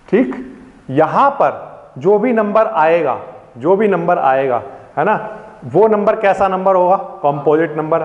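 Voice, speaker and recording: A man teaching a classroom maths lesson in Hindi mixed with English words, asking his pupils questions and then answering them himself. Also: fairly high pitch. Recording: dull echoey classroom recording.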